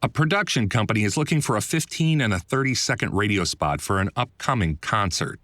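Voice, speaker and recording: A man narrates a first-person audiobook in a fairly low voice, recorded close and dry. His delivery is very lively in pitch, with a conversational, self-deprecating wit. It sounds like a polished scripted read that still talks directly to the listener. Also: a little fast, no echo. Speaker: audiobook narrator, author reading own book.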